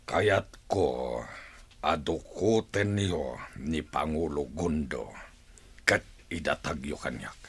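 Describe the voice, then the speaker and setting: A man playing a ruthless, commanding tribal chief with a rough voice in an Ilocano radio drama. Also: a bass voice, pushed and bright, no room sound, full character voice. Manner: slow, commanding. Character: ruthless, vengeful male tribal chief giving murderous orders.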